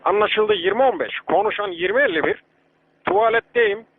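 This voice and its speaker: A man's voice: very high voice, very animated, normal speed, vocal fry, breathy edge. A man answering radio calls over a walkie-talkie, with hesitant replies full of fillers. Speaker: officer on radio call. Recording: tinny radio with static.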